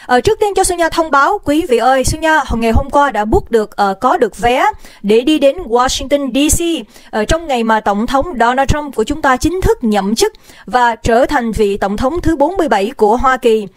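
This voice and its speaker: A woman's voice: high voice, lively intonation, normal speed, dry recording. A woman hosting a casual livestream, chatty and bubbly, greeting viewers by name and mixing in English phrases. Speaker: livestream host. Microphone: desk microphone.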